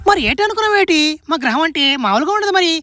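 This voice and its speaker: A woman's voice: very high voice, sing-song, quick pace, sharp tone, no echo, heavily acted. A woman voicing a teasing villager woman on an alien planet in a comedy cartoon, bickering in a rural Andhra Telugu accent.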